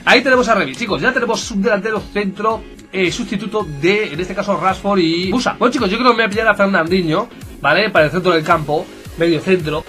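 Young male gaming commentator, hyped and foul-mouthed, fairly high voice, game music underneath. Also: fast talker. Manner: excitable, swears, talks to viewers as chicos. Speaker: gameplay commentator. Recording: game music playing loudly behind.

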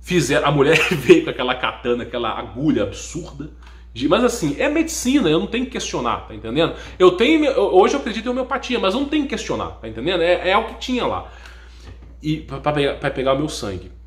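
A man with a fairly high, lively voice tells an emotional personal testimony to his viewers. He acts out the people in his story and keeps insisting he is not joking. The recording sounds like it was made in an echoey room. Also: quick pace. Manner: animated storyteller who acts out what others said; keeps stressing "no joke" and checking in with listeners. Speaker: YouTube channel host.

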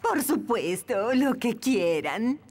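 A woman's voice: a little high, sing-song, slow, a little mellow, slight background noise, exaggerated voice. A woman with a Latin American Spanish accent voicing a grumpy, touchy old retired witch in a children's cartoon. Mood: guarded, polite.

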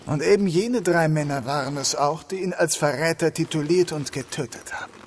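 An actor playing a determined detective inspector in a crime radio play, assertive and deliberate. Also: male voice, fairly high pitch, slight background noise, natural voice. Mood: confident, accusing. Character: determined, confrontational male police detective inspector. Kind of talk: German crime audio drama acting.

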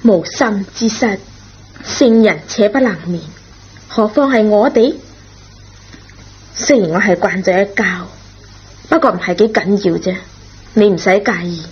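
A woman playing a forgiving, gently reproving schoolteacher in a Cantonese radio drama, with a husky, rough voice. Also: mid-range voice, a little slow, long pauses. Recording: dull lo-fi old radio recording.

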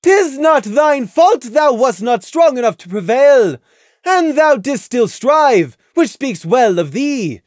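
A stern royal mare who speaks in thee and thou, pitched high and loud, as a reader puts her on. Her speech swings widely in tone, imperious and commanding. The recording is dry and close. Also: sing-song, slow pace, no echo, exaggerated voice. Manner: archaic formal speech, commanding. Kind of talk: audiobook reading of fan fiction.

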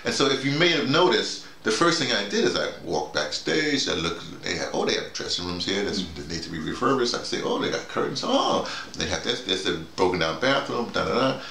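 A man's voice: lowish voice, a little fast, creaky, hardly any pauses. An older man with an American accent talking informally, explaining in a digressive way and often acting out quoted remarks. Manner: digressive, self-quoting, animated storytelling. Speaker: theater director and workshop leader. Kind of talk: informal debrief, rambling explanation. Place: small bedroom, indoors. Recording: echoey room with faint noise.

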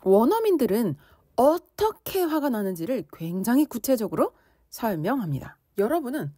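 A slightly husky woman with a lively, bouncing pitch, teaching English conversation and playfully acting out angry reactions. Her voice sits a little high, recorded close and dry with no room sound. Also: normal speed, dry recording. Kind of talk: explaining English expressions in Korean.

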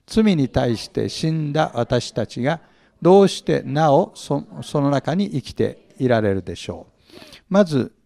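This pastor's mid-range voice is gravelly and warm, very animated though a little slow. Teaching the Bible with humor, he keeps questioning his audience, stresses words forcefully, and acts out small scenes for laughs.

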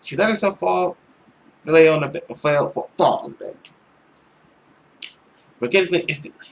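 A young man reading a visual novel aloud dramatically, with an expressive, theatrical manner. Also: a little high, moderate pace, vocal fry, a little hiss or hum. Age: young adult. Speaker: let's play host. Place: small indoor room at home. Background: music.

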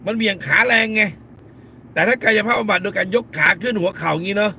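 A man's voice: high voice, fast, gravelly, bright, forceful tone, slight background noise. A middle-aged man, a lawyer hosting a live stream, talks bluntly in casual commentary and scolds with crude slang, repeating phrases for emphasis.

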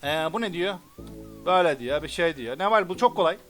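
A man giving let's play commentary, excitable and often frustrated and cursing. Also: high voice, a little fast. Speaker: gamer. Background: game music.

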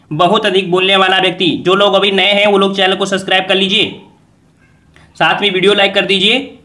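A man's voice: high voice, pushed and bright. A man teaching an exam revision lesson, quizzing viewers and repeating each answer as a question.

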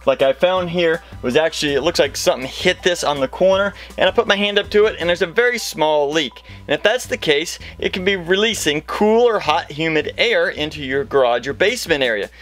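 A man's voice: a little high, expressive, brisk, few pauses, fairly bright tone, soft background music. A middle-aged man hosting a home improvement lesson, explaining practical steps in a plain-spoken, instructional way. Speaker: host of a home improvement how-to show. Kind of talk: instructional how-to explanation to camera.

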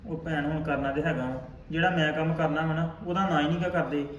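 A man's voice: on the high side, steady tone, fast, slight background noise, lightly acted. A young man playing a lazy college son who wheedles for money. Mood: pleading. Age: young adult. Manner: pleading, wheedling. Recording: echoey, far from mic, dull sound.

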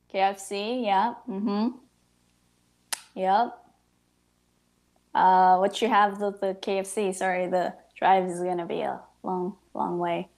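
A woman's voice: medium pitch, a little mellow. A woman voicing a gloating villain who stole the moon, with cackling, manic taunts.

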